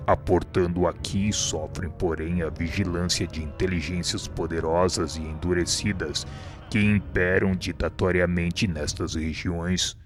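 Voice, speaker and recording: A man's voice: low-pitched, a bit bright. A man playing a wise, patient spirit mentor in a radio drama, explaining in a formal, solemn, didactic way.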